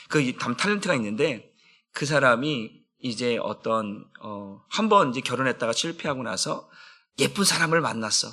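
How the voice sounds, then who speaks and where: A man's voice: mid-range voice, sharp tone. A middle-aged man, a senior pastor, giving an emphatic dawn prayer sermon and acting out friends' taunts in casual speech.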